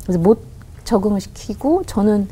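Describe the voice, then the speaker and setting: A woman guest on a radio interview, earnestly recounting a personal story with halting restarts and quoted voices. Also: mid-range voice, expressive, warm tone, slightly rough, rough recording. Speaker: guest, company head.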